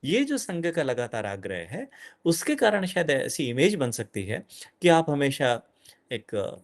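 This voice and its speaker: A middle-aged man gives an animated lecture to an audience as a guest speaker, sprinkling English phrases into his talk. His voice is fairly high and his pace a little slow.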